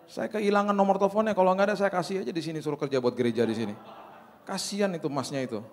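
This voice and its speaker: A male pastor delivers a lively, colloquial sermon in a church hall, often slipping into acted-out dialogue. His voice sits fairly high for a man. The sound carries a long reverb from the large room. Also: racing. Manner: animated, colloquial, acts out quoted dialogue.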